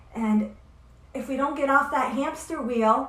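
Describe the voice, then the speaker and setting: Loud and animated, a woman talks at a fairly slow pace in a high pitch, with audible room echo. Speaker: spiritual teacher. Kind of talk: casual chat.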